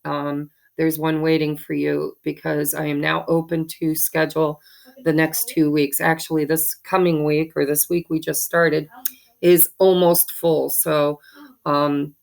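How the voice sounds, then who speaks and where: A woman, hoarse from allergies, chatting in a rambling, thankful way as host of a tarot channel, with many ums. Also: low voice. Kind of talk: casual chat to viewers.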